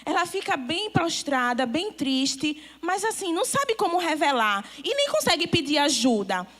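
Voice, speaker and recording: A young woman youth leader speaking at a church gathering, animated and acting out little voices as she teaches. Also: sits high, moderate pace. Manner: animated, acts out voices of body and soul. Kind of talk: church talk with live role-play. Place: church hall.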